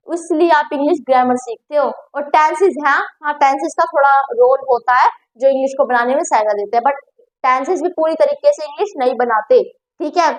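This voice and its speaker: A woman teaching a grammar lesson to students in a chatty classroom style, checking in often and stretching out her examples. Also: high voice. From India. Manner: chatty, repeats "ठीक है", drawn-out examples.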